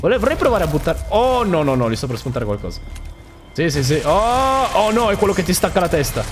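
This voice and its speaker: A man's voice: high voice, very animated, brisk, music in the background. A young man giving joking gameplay commentary and mocking the enemies on screen. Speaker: gaming YouTuber.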